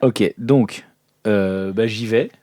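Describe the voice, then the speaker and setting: A man playing an improvised tabletop role-playing game, talking informally with some halting phrasing. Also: on the low side, dark tone. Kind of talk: casual improvised table talk.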